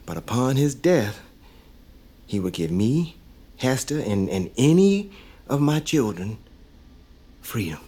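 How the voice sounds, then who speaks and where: A man's voice: medium pitch, big pitch swings, takes it slowly, long pauses, dark tone, breathy edge, full character voice. An actor playing a hopeful young father, talking earnestly. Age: young adult. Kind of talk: audio drama.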